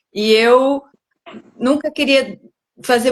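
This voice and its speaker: A woman with a slight Minas Gerais accent speaks with fairly even intonation. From Brazil, Minas Gerais (Belo Horizonte). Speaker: former ballet dancer, artistic coordinator. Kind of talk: interview. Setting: live online video call.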